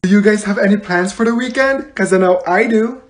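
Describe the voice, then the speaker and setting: A woman's voice: mid-range voice, fairly quick, a little hiss or hum, close to an everyday voice. Woman playing a bossy, exaggerated schoolteacher. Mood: perky, chirpy. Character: bossy, fake-cheerful female schoolteacher scolding her class. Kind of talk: comedy classroom skit.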